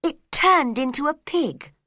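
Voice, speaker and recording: A polite, curious young girl in a storybook, played by a woman reader. Her voice lifts into questions with lively swings of pitch, slow and bright. The recording is dry and close. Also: no room sound, full character voice.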